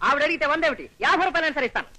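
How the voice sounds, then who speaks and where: A giddy chirping young matchmaker. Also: male voice, extremely high pitch, racing, heavily acted. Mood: excitable. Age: young adult. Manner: bursts into chirping nonsense when excited. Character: excitable young man, love-marriage matchmaker. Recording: old film soundtrack with music.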